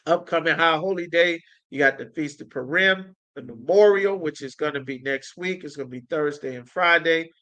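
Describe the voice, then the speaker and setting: Male preacher, bright and slightly high, commanding with call-and-response asides. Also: moderate pace, hardly any pauses. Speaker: teacher. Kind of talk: preaching announcements.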